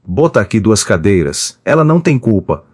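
A man's voice: fairly low pitch, very animated, moderate pace, darkish tone, no echo, clean studio sound. A man reading the part of an anxious, strong-willed mother in a stage play. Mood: agitated.

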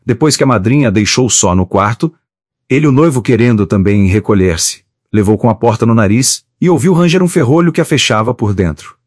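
A man narrating a classic story aloud in a measured, unhurried reading. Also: medium pitch, darkish tone, no echo, studio quality. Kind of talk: audiobook narration.

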